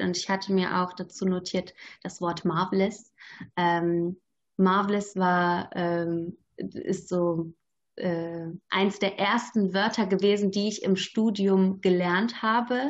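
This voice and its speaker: A woman speaks at a medium pitch and a very slow pace. Her intonation stays fairly even. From Germany. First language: Turkish (speaking German). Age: 20s. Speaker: teacher-training student. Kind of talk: interview.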